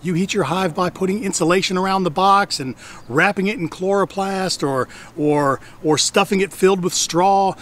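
A man's voice: high voice, moderate pace, fairly bright tone. A middle-aged man hosting a casual beekeeping vlog outdoors, talking in a chatty way with exclamations and repeated restarts. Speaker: hobbyist beekeeper and channel host. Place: outdoors in a wooded backyard apiary. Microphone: camera on a tripod at a distance. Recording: faint outdoor noise, bees and insects.

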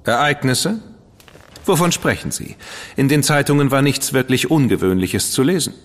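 Actor as sarcastic dandy, cheeky, animated intonation, long reverb. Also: male voice, mid-range voice, close to an everyday voice. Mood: sardonic. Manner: sarcastic, quick-witted, cheeky. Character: witty, defiant dandy, man, adult. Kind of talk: radio play acting.

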